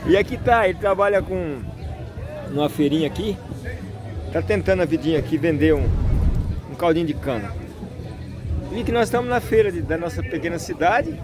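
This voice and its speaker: A man's voice: fairly high pitch, animated, moderate pace, pauses often. Cheerful older man at a busy street market. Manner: cheerful, chatty, laughs often. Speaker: vlogger. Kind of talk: casual vlog to camera. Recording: busy market crowd behind.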